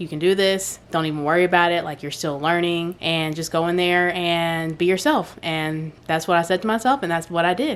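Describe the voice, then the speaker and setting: Her voice sits at a fairly low pitch with fairly even intonation. The woman keeps a moderate pace with hardly any pauses. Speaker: vlogger. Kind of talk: casual vlog talk to camera. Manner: casual, many fillers.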